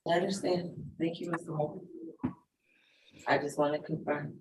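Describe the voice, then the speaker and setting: A woman's voice: low voice, steady tone, a little mellow, roomy sound. Formal woman judge, from a distance. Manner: brisk, formal questioning. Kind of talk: courtroom plea hearing. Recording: distant mic with faint noise.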